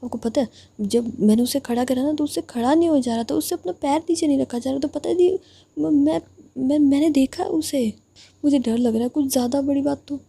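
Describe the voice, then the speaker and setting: A woman voicing a hot-tempered young woman who stammers when frightened and shouts when she quarrels. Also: high-pitched, fast talker, gravelly, husky, exaggerated voice. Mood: scared.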